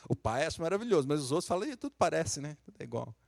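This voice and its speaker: A man's voice: on the high side, very animated, fairly quick, gravelly, a little mellow, dry recording. Brazilian pastor, middle-aged man, Minas Gerais accent; chatty sermon delivery that climbs to emphatic peaks; dry, close recording. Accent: Brazilian Portuguese, Minas Gerais. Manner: conversational preaching, rising to emphatic peaks.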